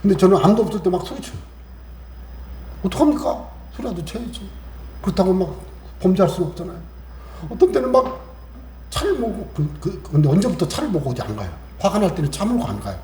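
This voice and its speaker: A man preaching a Sunday sermon in a conversational tone, voice pitched a bit high yet soft and mellow. He quotes scripture and slips into little acted-out exchanges. The sound is roomy and echoey with a faint hiss behind it. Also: sing-song, fast, pauses often. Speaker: pastor.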